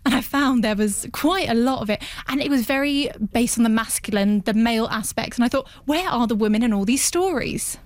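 High-voiced woman interpreting an interview. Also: no room sound. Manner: measured, with pauses and restarts. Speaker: sign language interpreter voicing a guest. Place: radio studio.

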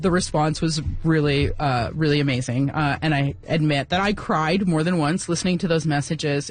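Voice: medium pitch, dry recording. A podcast host earnestly thanking listeners and asking interview questions, with many fillers.

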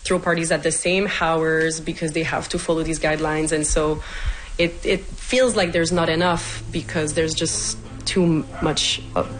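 A woman's voice: sits low, level tone, measured pace, rough recording. A woman, a student, giving casual interview answers and restarting her phrases often. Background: music.

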